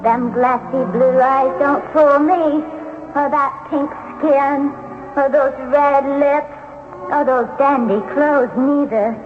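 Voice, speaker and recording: An actress playing a resentful, uneducated servant woman in a radio drama, with rough, uncultured diction. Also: high-pitched, fairly even intonation, slow pace, phone-quality sound, faint music behind. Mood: menacing, muttering. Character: resentful uneducated servant woman, muttering threats, cowed by her master. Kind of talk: old-time radio drama acting. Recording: band-limited 1970s radio recording.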